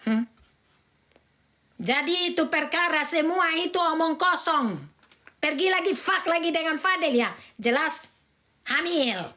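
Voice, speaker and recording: A woman's voice: very high voice, lively intonation, a little slow, long pauses, bright, forceful tone. A middle-aged woman from Indonesia, a mother scolding and ranting angrily and repetitively on a livestream. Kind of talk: heated livestream rant.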